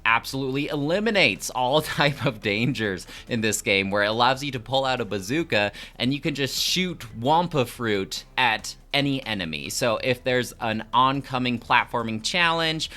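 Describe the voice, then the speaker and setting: A man's voice: medium pitch, animated, moderate pace, few pauses, pushed and bright, soft background music. A man giving a casual, conversational video game review with frequent fillers.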